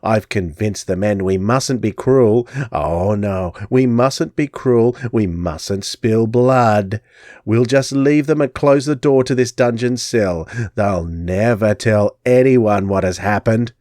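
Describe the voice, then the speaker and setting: A man's voice: fairly low pitch, slow pace, a little mellow, dry recording, clean studio sound. A man voicing a stooped old gypsy crone who cackles and croons menacingly. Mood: crooning.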